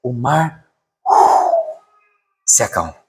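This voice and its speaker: Man, Brazilian Portuguese accent, preaching, slow hushed lines then urgent rises, reverberant hall. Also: medium pitch, sing-song, creaky. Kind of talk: sermon.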